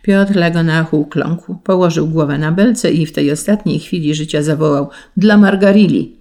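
An audiobook narrator reading a classic tale in a measured, solemn storytelling manner. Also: medium pitch, darkish tone.

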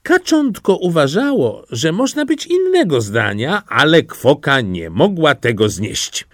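A man reading a fairy tale audiobook in an expressive storytelling manner. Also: on the high side, measured pace, no room sound, clean studio sound. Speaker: narrator.

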